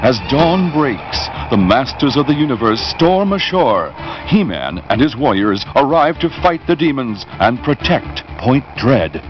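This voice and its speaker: A man's voice: medium pitch, big pitch swings, unhurried. A man narrating a cartoon adventure in a dramatic, scripted style. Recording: lo-fi audio under loud music.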